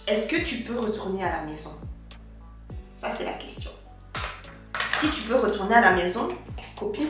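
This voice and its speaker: A young woman chatting casually to her viewers while doing her makeup, slangy and direct. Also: medium pitch. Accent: French with English loanwords. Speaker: beauty vlogger. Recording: echoey room from a distant mic.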